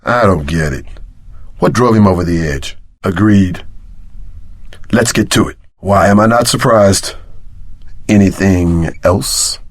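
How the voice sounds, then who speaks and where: A streetwise tough guy from a video game, speaks in a fairly low voice. He is wry and wary, full of slangy wisecracks. The sound is very dry, with no room around it. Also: slow pace, long pauses, no room sound. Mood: low, grim.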